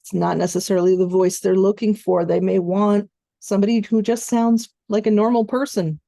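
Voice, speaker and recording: A woman coaching voice-over students in an online training session, explaining in a steady conversational way. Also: medium pitch, fairly quick, creaky, no room sound, clean studio sound.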